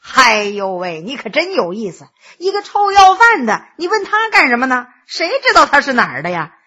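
Jovial scheming scholar, male, teasing and boastful, played by a woman narrator; husky, animated. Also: high voice, moderate pace, heavily acted. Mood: dismissive. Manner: teasing, boastful, many interjections.

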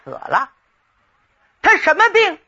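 Storyteller doing a gruff old general, folksy and coaxing. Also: extremely high pitch, wildly swooping pitch, takes it slowly, pushed and bright, dull audio, pitched above the performer's own voice, full character voice. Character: blustering old male general, folksy and scheming. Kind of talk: traditional storytelling.

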